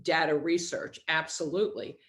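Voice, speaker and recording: A woman's voice: low voice, steady tone, moderate pace. A woman hosting a podcast, asking questions and adding short encouraging comments in a casual conversational way. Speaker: podcast host.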